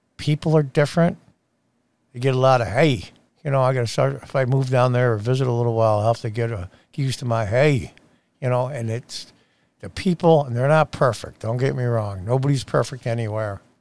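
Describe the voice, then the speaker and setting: An American-accented man speaks at a fairly quick pace with ordinary pitch variation, in a dry sound with no echo. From upstate New York, Binghamton; New York. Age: 60s. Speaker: YouTube commentator, store owner; channel host reacting to another vlogger. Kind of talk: casual vlog commentary. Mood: earnest, encouraging. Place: home room. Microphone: studio mic.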